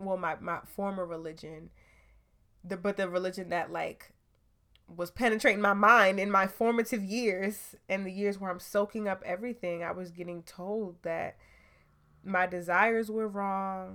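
On a very clean recording with a silent background, a woman talks at a moderate pace in a medium pitch, her tone bright and sharp yet relaxed and calm, with fairly even intonation. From Baltimore, Maryland. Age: 20s. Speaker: podcast host. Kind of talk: casual chat. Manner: relaxed, calm.

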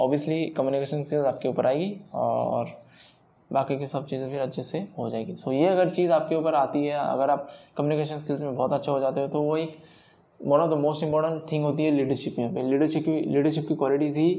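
This man talks at a moderate pace with a fairly high pitch. His intonation stays monotone and flat. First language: Marathi (speaking Hindi). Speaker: podcast host. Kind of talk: motivational talk. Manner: halting, many fillers.

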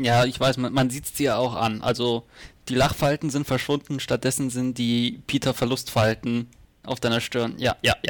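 The man's intonation is monotone and flat. His pitch is medium and his pace moderate. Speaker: podcast co-host. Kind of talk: casual chat.

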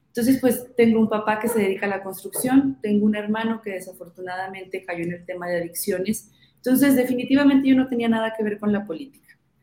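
The voice is dark, mellow and somewhat breathy. It moves at a very fast pace. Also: woman. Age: 30s. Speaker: local political candidate. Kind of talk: interview.

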